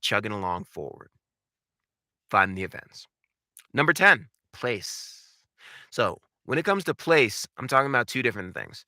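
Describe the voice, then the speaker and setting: A man's voice: mid-range voice, bright, forceful tone, no room sound, studio quality. A man giving an instructional talk as a voice acting coach, emphatic and theatrical, repeating key words, with informal conversational asides. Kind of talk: instructional talk with numbered tips.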